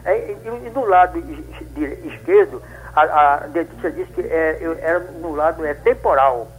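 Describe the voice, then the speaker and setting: A man in his eighties calling in to a radio show, telling his story in a rambling, halting way with many restarts. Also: a little high, rough recording. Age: 80s. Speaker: caller. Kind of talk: phone-in radio call.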